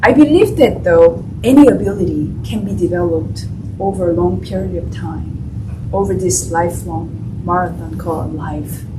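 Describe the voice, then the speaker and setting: A woman with a non-native accent talks at a moderate pace with hardly any pauses, her loudness swinging widely. Audible room echo and noticeable background noise fill the recording. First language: not English. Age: 40s. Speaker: classical pianist and author. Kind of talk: author talk. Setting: library event with audience.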